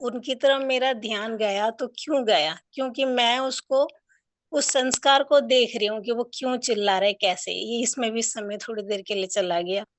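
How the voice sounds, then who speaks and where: A woman's voice: fairly high pitch, fairly even intonation, moderate pace, slight background noise. A woman student earnestly sharing her reflections in a class, rambling a little and addressing the teacher respectfully. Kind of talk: casual sharing in an online class.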